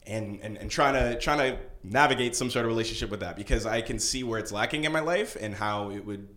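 Low-ish guy, kinda hesitant, lots of ums, echoey room. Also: a little fast, fairly bright tone. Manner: hesitant, searching, many ums and restarts. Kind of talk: casual podcast talk.

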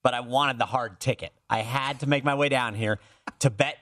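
A man's voice: mid-range voice, normal speed, fairly bright tone. A man chatting casually and emphatically as a betting guest in a studio, repeating himself for effect.

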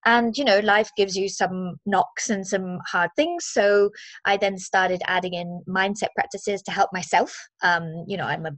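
A woman's voice: mid-range voice, measured pace, a bit bright, no room sound. Upbeat woman in her forties, dry sound. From Zimbabwe. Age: 40s. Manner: upbeat, chatty, many fillers. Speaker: guest, movement and mindset coach. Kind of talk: casual interview chat.

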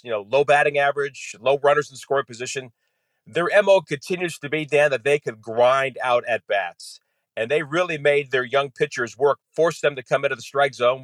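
A man's voice: mid-range voice, fairly bright tone, dry recording. A man, a radio play-by-play announcer appearing as a guest, walking through a game in conversational detail with frequent "you know"s.

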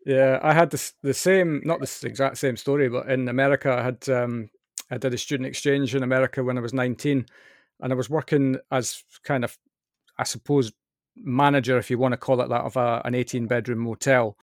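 A man from Scotland with a softened Scottish accent, hosting a podcast in a bright, chatty, self-deprecating way. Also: medium pitch, steady tone, a little fast, no echo, clean studio sound. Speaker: podcast host. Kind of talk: upbeat podcast chat.

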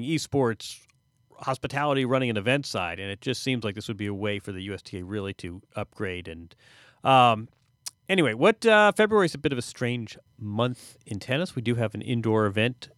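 A man's voice: medium pitch, lively intonation, fairly quick, fairly bright tone, no echo. A man hosting a conversational sports podcast, speaking in thoughtful, hesitant phrases with dry asides. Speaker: podcast host.

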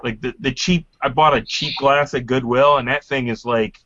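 A man's voice: mid-range voice, fairly even intonation, normal speed, fairly bright tone, no echo. A man chatting casually about beer and glassware, rambling with lots of ums and likes. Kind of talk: casual beer tasting chat. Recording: dry, slightly dull lo-fi sound.

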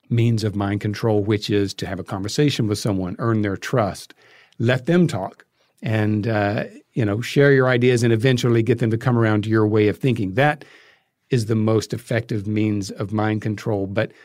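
Low-voiced American man explaining things. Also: steady tone, normal speed, darkish tone, no room sound, studio quality. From United States. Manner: thoughtful, explains at length. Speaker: filmmaker, podcast guest. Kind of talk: conversational interview, explanatory.

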